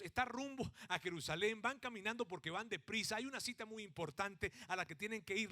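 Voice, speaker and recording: A middle-aged Mexican pastor with a Mexican accent and a high-pitched voice preaches a sermon. His storytelling is animated, moving between acted-out shouts and hushed emphasis.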